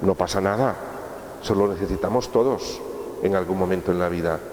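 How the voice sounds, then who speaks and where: A man's voice: sits low, brisk, a little mellow. Man lecturing in an echoey hall. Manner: conversational, asks rhetorical questions with tag checks. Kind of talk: course lecture. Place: lecture room. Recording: echoey hall, faint room noise.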